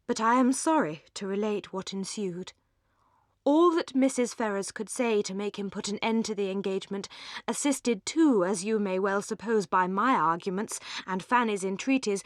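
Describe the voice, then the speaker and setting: A woman voicing a pompous, solemn English gentleman in an audiobook, long-winded and self-satisfied. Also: mid-range voice, dry recording, studio quality, lightly acted. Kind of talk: audiobook character dialogue.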